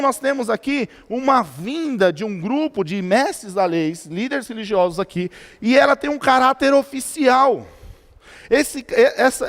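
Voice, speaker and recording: A Brazilian pastor preaches in a church hall, his unusually high voice trailing off into a long reverb. He teaches by posing questions and answering them himself, with many fillers and restarts. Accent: Brazilian Portuguese. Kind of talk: sermon.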